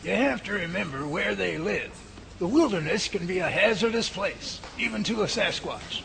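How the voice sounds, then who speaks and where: A man playing a gravelly lab boss. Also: high voice, normal speed, crowd noise. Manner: steady, explanatory tour guide. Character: Bigfoot lab head giving a tour. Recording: noisy home-made audio drama.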